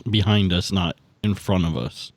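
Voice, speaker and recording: A man's voice: low voice, normal speed, no room sound. A man chatting casually as a player in a tabletop game, thinking aloud in informal, sweary language.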